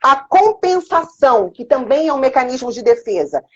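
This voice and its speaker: Brazilian woman teaching, high-pitched and muffled. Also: sing-song, normal speed, slightly rough. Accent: Brazilian Portuguese. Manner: didactic, rhetorical questions, everyday examples. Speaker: psychoanalysis teacher. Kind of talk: explanatory online lesson.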